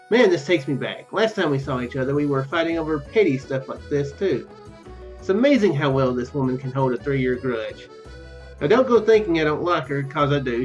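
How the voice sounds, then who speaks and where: A man with a slightly high voice talks through a visual novel in a casual let's play style, reading some text aloud. He is hesitant and rambles, circling back over his own phrases. The microphone sounds a bit dull, with music playing behind him. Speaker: YouTube game player. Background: game music.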